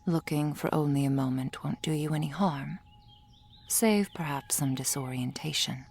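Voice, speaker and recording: A woman's voice: low-pitched, moderate pace, creaky, husky, full character voice. A woman playing a whispering soul healer. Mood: soothing whisper. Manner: soft whispering, soothing and formal. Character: gentle female soul healer, calm and reassuring. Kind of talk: ASMR roleplay.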